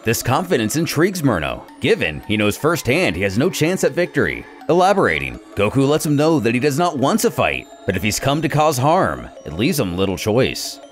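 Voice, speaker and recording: A man's voice: medium pitch, wildly swooping pitch, fairly quick, hardly any pauses, faint music behind. A man narrating a scripted story recap in a dramatic storytelling style.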